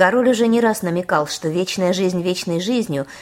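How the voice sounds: A natural reading voice, with pitch moving in an ordinary way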